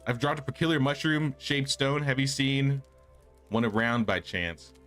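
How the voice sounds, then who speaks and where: An eager, dreamy village boy in a game read by a man, earnest in manner. The voice is a medium male pitch nudged upward, with faint music underneath. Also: normal speed, fairly bright tone, close to an everyday voice.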